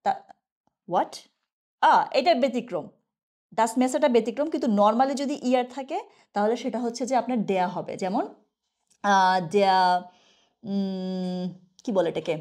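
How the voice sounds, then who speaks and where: A woman giving a casual online German lesson. She chats freely, keeps asking "okay?", and says her example sentences slowly and carefully. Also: medium pitch, a little mellow. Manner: chatty, asks "okay?" often, slow careful example sentences. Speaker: German teacher.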